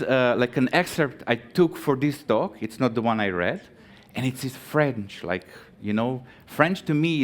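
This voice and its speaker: A man from Croatia, likely in his thirties, speaks from a conference stage into a microphone. His delivery halts often, full of ums and restarts, but stays friendly and chatty with the audience. His voice sits at an ordinary, mid-range pitch. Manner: halting, lots of fillers and restarts. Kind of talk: live conference talk.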